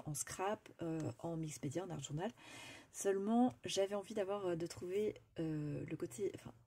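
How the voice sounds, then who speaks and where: Chatty woman with a dark, husky voice. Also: lowish voice. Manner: chatty, hesitant, many fillers. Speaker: craft vlogger. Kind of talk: casual haul presentation.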